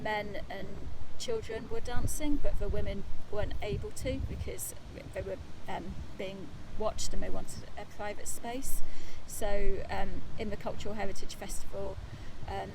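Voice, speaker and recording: A woman giving a reflective interview answer, hesitant and thoughtful with many pauses. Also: mid-range voice, fairly even intonation, gravelly. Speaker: interviewee, heritage project researcher. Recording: noisy background.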